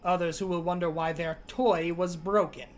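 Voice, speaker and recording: A man voicing a high-pitched game quest giver with a slow, formal, solemn delivery. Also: fairly even intonation, close to an everyday voice.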